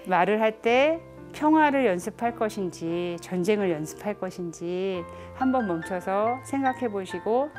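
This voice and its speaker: A middle-aged woman giving a lecture on nonviolent communication, asking the audience questions and acting out quoted family members with sudden jumps in pitch. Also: animated, normal speed, hardly any pauses, a little mellow, soft background music.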